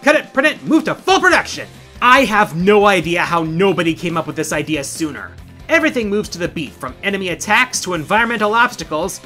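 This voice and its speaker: A man's voice: high-pitched, bright, forceful tone. A middle-aged man hosting a gaming countdown, reading scripted narration in an emphatic, playful showman's manner. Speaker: host of a video game countdown show. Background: music behind the voice.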